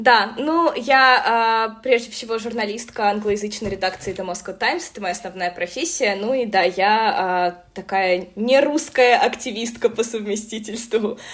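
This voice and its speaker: Her pitch is fairly high, and this woman speaks at a fairly slow pace with ordinary pitch variation. She uses hardly any pauses. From Bashkortostan, Russia (Blagoveshchensk). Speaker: journalist and activist. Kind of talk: interview. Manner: hesitant, many filler sounds.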